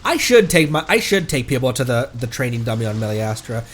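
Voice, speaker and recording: A man doing casual live gaming commentary as a streamer, talking in an excitable, rambling way. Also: mid-range voice, a little fast, a little hiss or hum. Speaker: game streamer.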